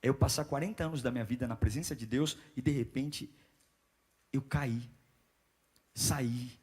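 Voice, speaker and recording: A man around forty preaching a sermon, moving from calm teaching into loud, rhythmic, repetitive exhortation. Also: medium pitch, normal speed, slightly rough. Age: 40s.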